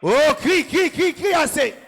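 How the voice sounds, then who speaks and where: A man, a pastor leading prayer and preaching with repetitive shouted commands in a large church hall. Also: extremely high pitch, lively intonation, a little slow, creaky. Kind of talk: sermon and led prayer.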